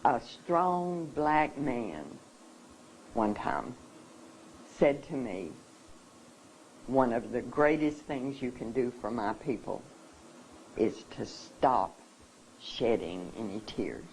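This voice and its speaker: A seminar speaker gives a personal talk to the audience, slow and deliberate, emotional and halting, with many pauses and restarts. The mid-range voice has a sing-song quality, and the rough recording carries a faint hum of room ambience.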